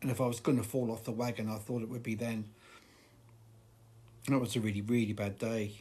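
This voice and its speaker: Medium-pitched man, somewhat breathy, with a dark, mellow tone, monotone, flat intonation, a fairly quick pace and long, frequent pauses. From England, Norfolk. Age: 60s. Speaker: live streamer discussing alcohol addiction. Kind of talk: live stream Q&A reading comments. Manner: casual, conversational.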